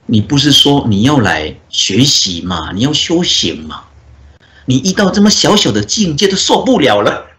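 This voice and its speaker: A man voicing an old male abbot monk who gently scolds a proud elder with rhetorical questions. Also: medium pitch, very animated, normal speed. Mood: chiding.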